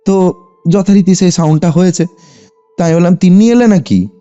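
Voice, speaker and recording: Muffled, mellow Bengali man telling a story. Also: sits high, moderate pace. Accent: Bengali from West Bengal. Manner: animated telling, often seeking confirmation with short tags. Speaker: caller telling a personal ghost story. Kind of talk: conversational personal storytelling. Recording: muffled lo-fi phone call, music behind. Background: background music.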